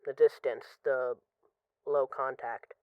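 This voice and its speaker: A woman playing an apologetic, lovesick mafia boss who is guarded but vulnerable, speaking haltingly and confessionally in an intimate audio roleplay phone call. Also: rumbling low, steady tone, smooth, no room sound. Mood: remorseful, pained. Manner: halting, confessional, with pauses and sighs.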